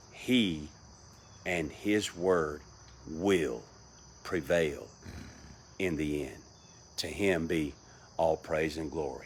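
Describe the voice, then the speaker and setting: A man with a very deep, low voice and vocal fry speaks very slowly in a Southern US accent, leaving long, frequent pauses, with ordinary pitch variation. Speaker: pastor. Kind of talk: devotional talk; casual sign-off announcements. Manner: loud.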